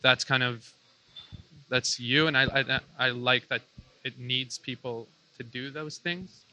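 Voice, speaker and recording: A man's voice: medium pitch, fairly even intonation, a little slow, sharp tone, no room sound, rough recording. A man in a live panel discussion who speaks hesitantly and fills his talk with "like" and "I mean".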